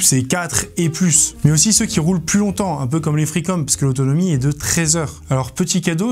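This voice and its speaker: Male presenter for casual gear review: fairly high-pitched, chatty and informal, joking at his own expense, soft music underneath. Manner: informal, playful, self-mocking. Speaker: presenter of a motorcycle gear video. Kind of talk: casual product review to camera.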